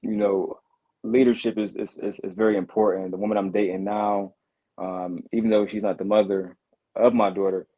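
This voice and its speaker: A man from Detroit calling in to a casual chat, speaking earnestly in halting fragments. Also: lowish voice, level tone, breathy edge. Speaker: caller. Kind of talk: casual live-audio chat. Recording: tinny phone-like line.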